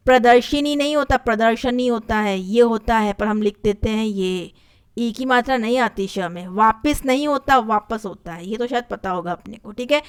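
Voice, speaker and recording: A woman teaching a spelling lesson for an exam, her voice smooth and clear and pitched a little high. She goes over each correction patiently and repeats it to make it stick. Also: fairly bright tone. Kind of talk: exam-prep grammar lesson.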